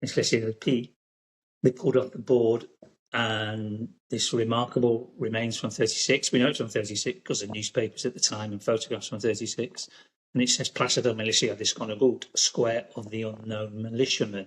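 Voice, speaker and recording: A man with a British accent talks at a fairly quick pace with fairly even intonation, on a very clean recording with a silent background. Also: medium pitch for a man. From Britain. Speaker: history tour guide and author. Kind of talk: interview answer.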